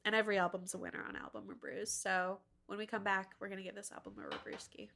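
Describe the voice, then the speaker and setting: A woman with a bright, crisp-edged voice hosts a casual podcast. She talks playfully and likes a joke, in an easy conversational style at a middle pitch. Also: big pitch swings, fast talker, a little hiss or hum. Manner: playful, jokey. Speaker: podcast co-host.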